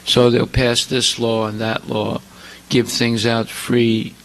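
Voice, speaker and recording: A man gives a scripture lecture in an emphatic, questioning way. His voice is gravelly, bright and forward. He often pauses to ask the audience to follow along. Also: medium pitch, flat delivery, poor audio.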